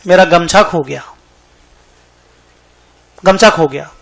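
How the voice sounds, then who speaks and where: A humble, pleading poor young migrant from Bihar, soft-spoken and deferential, as a teacher puts him on in a joke. The voice sits fairly high and bright. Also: male voice, takes it slowly, vocal fry, heavily acted.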